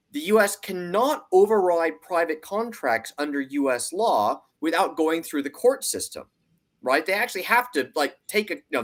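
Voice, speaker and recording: A man's voice: on the high side, a bit bright. A man giving conversational analytical commentary as a financial analyst, explaining emphatically and acting out hypothetical arguments.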